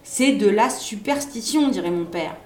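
A woman voicing an earnest, gentle young patrician girl who speaks in a soft, pleading way. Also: medium pitch, animated, moderate pace, roomy sound, lightly acted.

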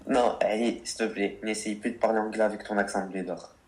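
A man's voice: lowish voice, steady tone, a little fast. A man co-hosting a radio show about words, reading earnest explanations and answering teasing with mock exasperation. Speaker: co-host of a word radio show.

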